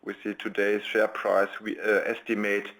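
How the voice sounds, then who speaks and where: A man answering investor questions as a company executive on a conference call, halting and rephrasing as he goes. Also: lowish voice, monotone, fairly bright tone, rough recording.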